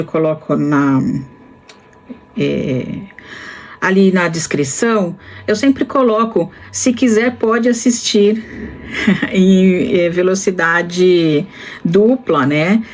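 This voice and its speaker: Slow-speaking Brazilian woman in her fifties. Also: mid-range voice. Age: 50s. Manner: slow and deliberate, with many pauses and restarts. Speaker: vlogger. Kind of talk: casual reflective talk to camera.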